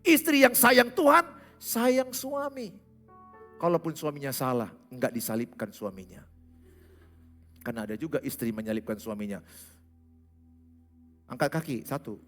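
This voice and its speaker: A man preaching a sermon, jumping between loud, high exclamations and soft, low asides in short punchy phrases. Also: animated, normal speed, pauses often. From Indonesia. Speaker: pastor. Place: large church hall. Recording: reverberant church hall with faint music.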